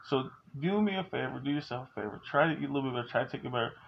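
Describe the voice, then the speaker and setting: Man, forties, raspy gravel in the voice, joking but earnest, casual home vlog, muffled sound. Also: medium pitch, expressive, racing. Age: 40s. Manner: candid, joking yet earnest, gives advice. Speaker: vlogger. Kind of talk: casual talk to camera.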